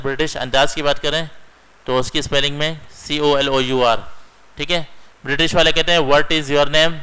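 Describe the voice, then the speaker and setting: A man's voice: a little high, bright, forceful tone, clean tone, poor audio. A young man teaching a computer lesson, walking through each step and often checking in with his students. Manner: explains step by step, keeps checking in with "theek hai". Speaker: computer instructor. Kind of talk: screen-recorded computer lesson.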